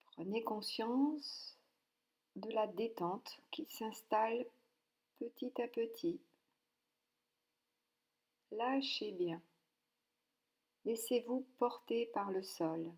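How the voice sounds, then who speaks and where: Here a woman with a slightly high voice leads yoga nidra relaxation, offering short, gentle instructions. She stays calm and soothing throughout, letting long pauses fall between them.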